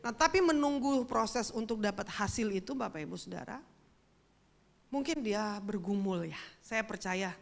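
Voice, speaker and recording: A woman's voice: mid-range voice, animated, moderate pace, vocal fry. Woman pastor, middle-aged, sermon testimony, casual storytelling to the congregation. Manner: chatty storytelling, addresses the congregation directly. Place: church.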